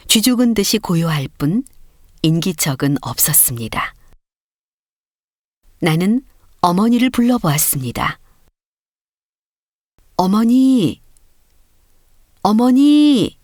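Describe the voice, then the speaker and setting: A woman reading a storybook as an audiobook narrator, with expressive, clearly paced scripted delivery. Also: sits low, no echo, studio quality.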